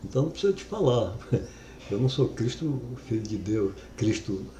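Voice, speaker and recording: Casting: man, lively pitch swings, mellow tone, informal scripture reader who chuckles as he explains, echoey room. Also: slight background noise. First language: Portuguese. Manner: reads verses aloud slowly, then comments with chuckles. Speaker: Bible commentator. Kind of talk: informal Bible reading and commentary.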